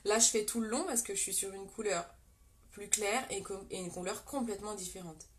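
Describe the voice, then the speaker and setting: A woman's voice: medium pitch, fairly even intonation, brisk, a little hiss or hum. A young French woman with a French accent, chatting with viewers as she hosts a live makeup tutorial. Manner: chatty, talks to viewers and reads comments. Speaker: makeup livestream host.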